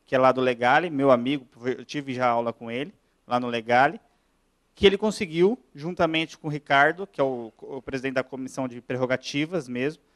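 A man from Brazil, a lawyer giving a classroom lecture, talking fast and chatty and checking in with his audience. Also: medium pitch, a bit bright. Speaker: lawyer lecturing on pension law.

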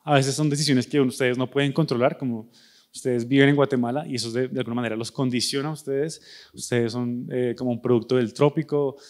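A young Bogotá architect with a Bogotá Colombian Spanish accent addresses students directly in a conversational university talk, handheld microphone in hand on a large, dark auditorium stage. He speaks fairly quickly in a medium-pitched, darkish voice with fairly even intonation.

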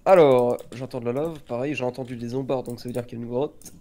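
A man's voice: mid-range voice, fairly even intonation, quick pace, warm tone, slight background noise. Chatty gamer man. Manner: chatty, jokey, gives gear advice. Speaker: let's play co-host. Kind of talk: casual gaming chat.

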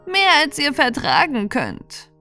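A woman voicing a boastful, chatty old bog witch who explains her wares in an animated, matter-of-fact way for a fairy tale. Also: high-pitched, slow pace, faint music behind, pitched above the performer's own voice, exaggerated voice.

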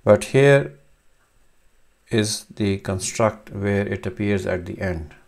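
A man in his thirties whose first language is Urdu, teaching a reading lesson with slow, halting explanations and many fillers. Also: fairly low pitch, gravelly, a little mellow. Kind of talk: screen-recorded reading lesson.

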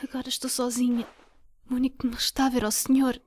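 A woman's voice: high voice, level tone, fast talker. A woman voicing a naive, panicky young police girl in a comedic anime parody dub. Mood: panicked. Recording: loud music drowning amateur dub.

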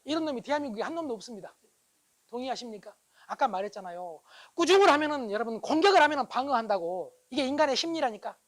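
A middle-aged man giving an animated public lecture. He keeps asking his audience whether they agree and swings from loud bursts to hushed asides. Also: very high voice, fast talker, rough recording. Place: lecture hall.

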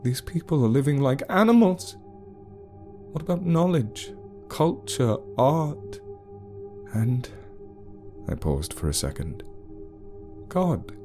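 A man's voice: mid-range voice, sing-song, slow pace, pauses often, music in the background, voice pushed up. A man voicing an agitated Catholic priest lost in the far future, pleading in a raised, strained voice.

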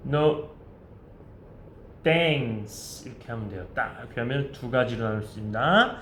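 A man teaching basic English phrases, saying the English sentences slowly and drawn out between quick explanations and coaxing questions to viewers. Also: mid-range voice, lively intonation, sharp tone, a little hiss or hum. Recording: roomy echo.

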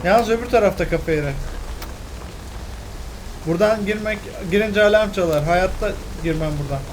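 An excitable young man talks his way through a video game, his voice sitting high for a man. He keeps up casual let's-play commentary, muttering to himself and bursting out in sudden exclamations. A faint hiss of noise sits under his voice. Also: moderate pace, rough recording. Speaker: gameplay commentator.

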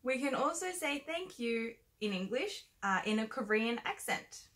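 A woman's voice: a little high, sing-song, a little slow, a bit bright. A young woman co-hosting a beginner language lesson, explaining in a friendly way with small fillers. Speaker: Korean teacher, co-host.

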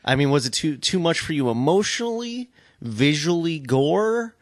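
Animated, profane man on a podcast. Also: a little high, moderate pace, dry recording, clean studio sound. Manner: profane, slangy, informal. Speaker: podcast co-host. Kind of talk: casual podcast chat.

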